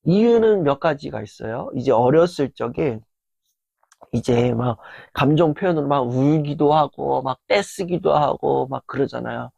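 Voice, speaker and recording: A man's voice: mid-range voice, lively intonation, moderate pace, gravelly, a little mellow, no echo. A man hosting a counseling lecture, explaining feelings in a loose, conversational way with many fillers. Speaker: psychology lecturer, channel host.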